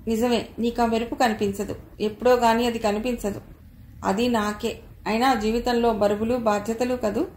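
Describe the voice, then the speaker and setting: A woman reading the part of a young married man who calmly confides about his wife. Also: fairly high pitch, moderate pace, natural voice. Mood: reflective. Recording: roomy echo, faint background noise.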